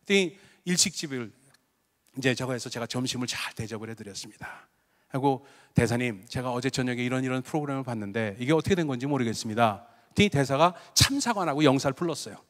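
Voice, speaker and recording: A middle-aged man, a pastor, preaching a sermon and telling stories, moving from loud bursts to quiet low asides. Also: expressive, fast. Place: large church sanctuary. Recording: long hall reverb.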